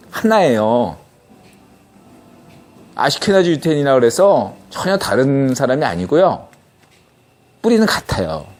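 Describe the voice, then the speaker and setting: Speaking with medium pitch and a darkish tone, a middle-aged man hosts a podcast and walks through a topic on his own. His delivery is chatty, with frequent restarts and check-ins such as "예?" aimed at his listeners.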